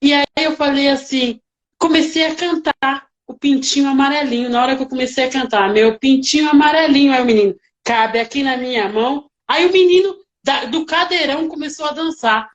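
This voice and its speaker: Woman, high voice, animated, emotional storyteller, casual interview. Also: a little fast. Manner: animated, lively reenactments, emotional. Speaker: nanny telling stories.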